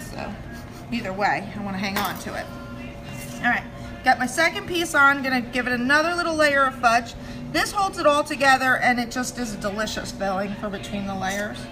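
Clear music plays in the background. A woman speaks at a fairly quick pace in a high voice. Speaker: cake decorator host. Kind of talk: tutorial. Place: kitchen.

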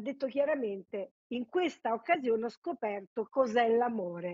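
A woman with a high voice speaks at a fairly slow pace, the sound dry with no echo and the background quiet. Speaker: remote TV commentator. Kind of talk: commentary. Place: home room. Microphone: video call.

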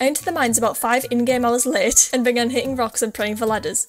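Noticeable background noise surrounds the recording. A woman talks very fast in a high voice. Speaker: speedrunner.

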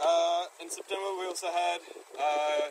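Loud background noise runs under this man's voice. The sound is dry, with no echo. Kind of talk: annual report speech. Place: open country.

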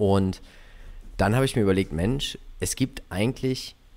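In a very clean recording with a silent background, a man with a fairly low pitch speaks at a moderate pace. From Germany, childhood partly in Canada and USA. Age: 20s. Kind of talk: interview.

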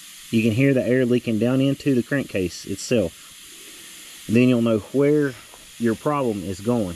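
Against light background noise, a man speaks at a moderate pace with ordinary pitch variation in a dry sound with no echo. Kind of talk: tutorial. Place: open country. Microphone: phone near.

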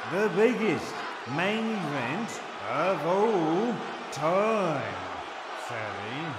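A man speaks over loud background noise. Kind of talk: wrestling promo speech. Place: stadium. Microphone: handheld.

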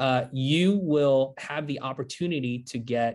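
A man speaks at a fairly slow pace with ordinary pitch variation. Behind him the background is quiet. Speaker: presenter. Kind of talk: webinar presentation. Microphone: video call.

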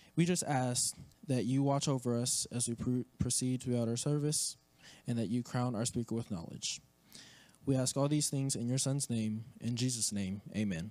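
Faint music plays in the background as a man speaks. His pace is moderate and his pitch varies in an ordinary way. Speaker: scripture reader. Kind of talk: reading scripture aloud and praying. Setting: church. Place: church. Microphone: handheld.

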